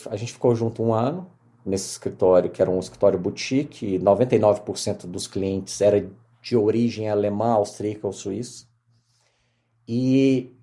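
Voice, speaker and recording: A middle-aged man from Minas Gerais with a Mineiro accent, telling his career story as a podcast guest in lively casual conversation. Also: mid-range voice. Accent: Mineiro Portuguese. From Minas Gerais, Brazil. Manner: animated storyteller, many fillers.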